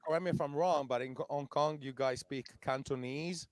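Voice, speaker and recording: A man interviewing theatre makers for a festival in a chatty, animated way on a video call. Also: medium pitch, normal speed. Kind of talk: casual interview talk.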